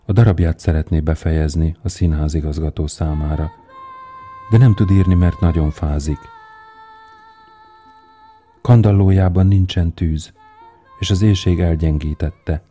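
Man reading a fairy tale, calm and measured, very dark mellow voice, soft music in the background. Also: low-pitched. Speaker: narrator.

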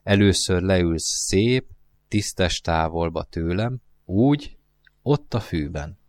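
A man's voice: low voice, animated. A man voicing a wistful lonely fox. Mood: pleading. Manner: earnest, pleading, musing. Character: lonely wistful male fox, gentle and wise.

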